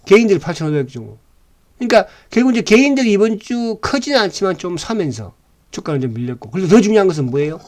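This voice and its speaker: A man with a fairly high voice gives casual stock commentary, his pitch leaping up and down as he talks. He keeps asking his viewers to agree and drops in blunt slang. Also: very animated, fast talker, darkish tone.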